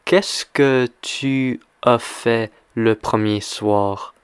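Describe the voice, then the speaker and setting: Male language teacher, extremely slow and deliberate, smooth resonant voice, dry close sound, drills questions. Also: medium pitch, fairly even intonation, dry recording. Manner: deliberate, repeats and quizzes the listener. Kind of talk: slow question-and-answer reading lesson.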